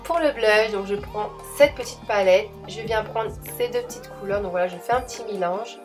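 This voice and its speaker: A young beauty vlogger narrates her makeup routine in a chatty, enthusiastic voice-over, calling her viewers "girls." She speaks at normal speed with an ordinary middle pitch, while quiet music plays underneath.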